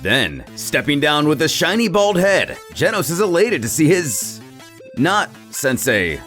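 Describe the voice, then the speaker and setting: A man narrating a scripted story recap as channel host, telling it in an expressive way with casual asides. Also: a little high, a little slow. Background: soft background music.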